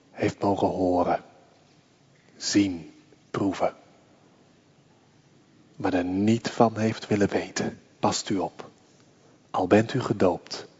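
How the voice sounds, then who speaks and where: A man preaching a sermon to his congregation, slow and solemn, rising at times into fervent emphasis. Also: lowish voice, mellow, slightly rough. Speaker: pastor. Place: church. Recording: long church reverb, dull sound.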